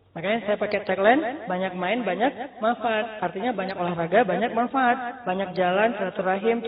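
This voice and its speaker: A man giving a casual, joking sermon and acting out bits of dialogue. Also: high-pitched. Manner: chatty and joking, acts out dialogue. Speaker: preacher. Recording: tinny phone-like, roomy echo.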